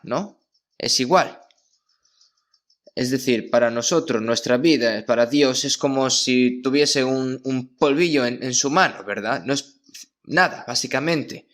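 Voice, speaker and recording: A man preaching a sermon as pastor in a church, in a measured delivery that keeps checking in with his listeners through short questioning tags. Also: medium pitch, fairly bright tone.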